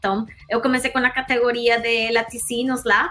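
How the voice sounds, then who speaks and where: In a Salvadoran accent, a woman speaks with a fairly high pitch and a bright, sharp tone. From El Salvador. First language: Spanish (speaking Portuguese). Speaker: marketing executive. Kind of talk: podcast interview.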